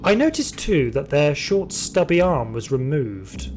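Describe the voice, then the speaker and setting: A man playing a sadistic, power-hungry security guard, narrating his story in an audio drama with deliberate menace. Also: on the high side, sing-song, a little mellow, slight background noise. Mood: brooding recounting. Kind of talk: scripted first-person audio drama monologue. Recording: music behind the voice.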